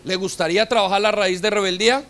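A male pastor preaching with passion, his voice pitched high for a man and ringing bright. He presses his listeners with rhetorical questions. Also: steady tone, fast talker. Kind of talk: sermon.

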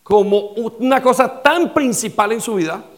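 A male pastor preaching a sermon with rhetorical questions and repetition, swinging between loud stress and quiet dropped lines. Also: very high voice, measured pace.

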